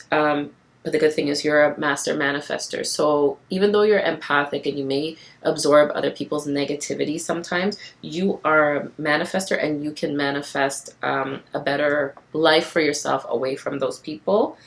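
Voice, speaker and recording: Woman, low gravelly voice, tired rasp; passionate, encouraging tarot reader talking to camera. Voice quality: raspy from tiredness. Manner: passionate, encouraging, repeats phrases for emphasis. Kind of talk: casual spiritual card reading to camera.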